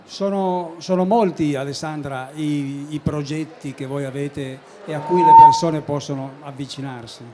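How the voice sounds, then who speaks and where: A man's voice: fairly high pitch, fairly even intonation, measured pace, hardly any pauses, mellow. A middle-aged man interviewing guests at an expo booth, asking stop-start, rephrased questions into a handheld mic. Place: expo booth studio, indoors.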